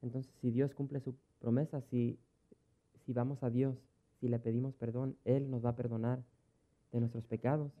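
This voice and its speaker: Direction: a man preaching in an easy, conversational way, acting out the people in his stories at a mid-range pitch. The sound comes through thin and tinny, like a phone line. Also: level tone, moderate pace. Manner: conversational, storytelling, acts out dialogue. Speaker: pastor. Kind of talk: sermon with personal anecdotes. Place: church.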